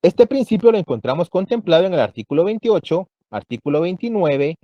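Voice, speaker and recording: A man teaching a university law class, explaining each point slowly and checking in with his students again and again. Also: high voice, sing-song, no room sound, dull audio. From Guatemala. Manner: explanatory, checks understanding with frequent "¿verdad?". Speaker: law lecturer. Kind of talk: university lecture.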